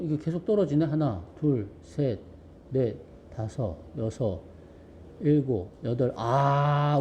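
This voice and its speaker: A man with a fairly high, bright-leaning voice greets children by name at the start of a worship service. He is playful and cheerful, counting aloud and joking as he goes. He sounds middle-aged and casual, like a pastor used to talking with kids. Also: slight background noise. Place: church sanctuary.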